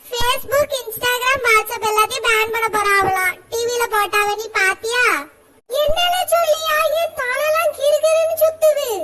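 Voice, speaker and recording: A woman's voice: very high-pitched, sharp tone. Woman voicing a sulky cartoon village girl. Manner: complaining, dramatic sulking. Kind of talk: cartoon voice acting.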